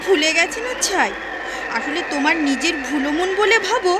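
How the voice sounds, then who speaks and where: A woman voicing a demanding, sulky goddess wife in an animated comedy, complaining in a petulant, theatrical way. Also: very high-pitched, moderate pace, very noisy. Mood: sulky complaint. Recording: loud background music.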